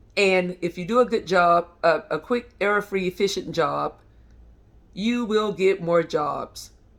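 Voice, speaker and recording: On a very clean recording against a silent background, the speaker has an American accent. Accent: country accent, obvious. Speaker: notary and loan signing agent coach, high school teacher. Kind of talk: tutorial. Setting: home recording room. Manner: casual, plain-spoken.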